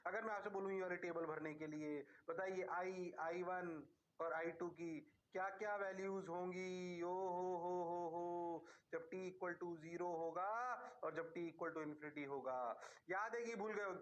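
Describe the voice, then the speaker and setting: Male physics teacher, high voice, playful and singsong, quizzes students and answers for them. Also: steady tone, moderate pace, a bit bright, dull audio. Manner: playful, rhyming catchphrases. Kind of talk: online lecture to students.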